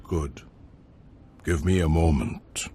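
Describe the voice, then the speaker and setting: An actor playing a solemn tribal elder who speaks in a measured, persuasive way. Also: male voice, a bass voice, warm tone, a little hiss or hum, full character voice.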